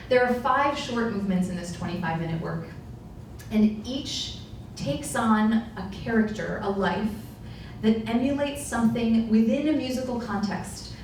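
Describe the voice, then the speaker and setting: A woman pianist chatting to a concert audience about the music, explaining in a friendly, meandering way with self-corrections. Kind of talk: spoken concert introduction. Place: large echoey concert hall. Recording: far-off echoey hall with faint rumble.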